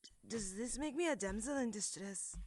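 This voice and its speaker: A woman's voice: on the high side, expressive, moderate pace, a little mellow, dry recording, clean studio sound. A woman voicing a sulky, sheltered young prince who sounds petulant, hesitant and naive. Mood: glum, sulky.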